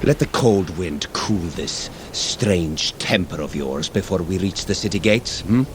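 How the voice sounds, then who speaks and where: An actor playing a noble, earnest warrior god in an audio drama, speaking in a measured, formal way. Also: male voice, low-pitched, expressive, noisy background. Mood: gently reproving. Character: Thor, noble male warrior god, earnest, steady, trusting.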